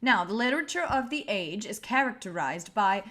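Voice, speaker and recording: A woman reading the part of a stern, impatient high school teacher, formal and authoritative, in a script table read. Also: animated, moderate pace, bright, forceful tone. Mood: instructive. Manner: formal, clipped classroom authority.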